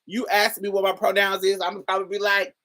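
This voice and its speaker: A woman with a particularly deep voice, hosting a casual commentary and talking straight to her viewers in an emphatic, chatty way. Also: completely flat delivery, fast talker, a bit bright. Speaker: host.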